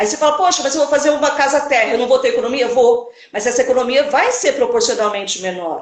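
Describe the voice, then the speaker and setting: A woman with a high voice speaks at a fairly quick pace. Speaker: civil engineer. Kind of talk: live stream interview. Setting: Instagram live video. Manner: fast.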